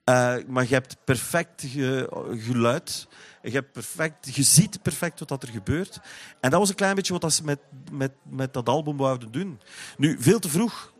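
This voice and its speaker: A man's voice: mid-range voice, moderate pace. A man with a Flemish accent chatting casually about music, often repeating words as he searches for phrasing. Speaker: interview guest, teacher.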